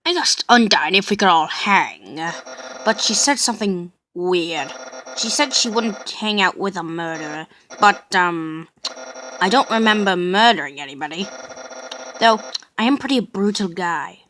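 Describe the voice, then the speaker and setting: A woman's voice: medium pitch, expressive, a little slow, a bit bright, slight background noise, rough recording. A woman voicing a naive, boastful and loyal skeleton guy from a video game. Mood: naive, puzzled. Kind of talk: amateur video game character dub.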